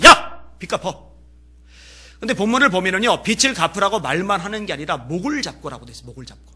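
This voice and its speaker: A male pastor preaching a sermon, telling a story with lively delivery and acting out the characters' lines. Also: on the high side, breathy edge.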